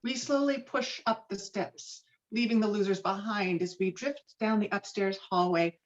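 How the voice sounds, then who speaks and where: A woman's voice: mid-range voice, normal speed. A woman reading screenplay stage directions dramatically as narrator of a table read, over a video call. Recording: dull lo-fi video call sound.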